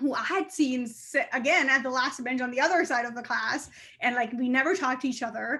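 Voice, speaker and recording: A woman's high-pitched, bright, sharp voice at a fairly quick pace, with ordinary pitch variation. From India. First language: Indian mother tongue. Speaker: astrophysicist. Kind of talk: interview. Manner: fast.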